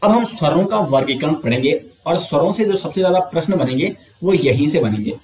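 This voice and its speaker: A man teaching an exam coaching lesson, explaining step by step, asking and answering his own questions, and drawing out sounds slowly to show them. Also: on the high side, animated, a little mellow, reverberant.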